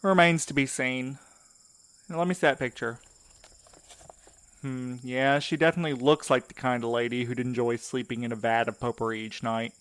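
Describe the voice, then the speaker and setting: A man's voice: mid-range voice, fairly even intonation, normal speed, fairly bright tone, clear, resonant tone, close to an everyday voice. A man playing a wry, exasperated, wary supernatural mail courier in an audio drama, talking in a colloquial, needling way. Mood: dry sarcasm.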